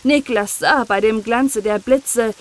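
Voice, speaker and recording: A woman's voice: on the high side, slow pace. Woman reading a bedtime fairy tale. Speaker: audiobook narrator. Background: soft background music.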